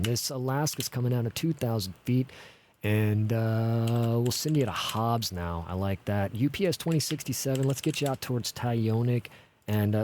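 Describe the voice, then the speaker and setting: A man's voice: mid-range voice, a little mellow. A man streaming an air traffic control simulator, thinking aloud casually in running commentary full of radio-style jargon. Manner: casual, thinking aloud, swearing now and then. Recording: clear background noise, keyboard clicking and typing. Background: keyboard typing and clicks.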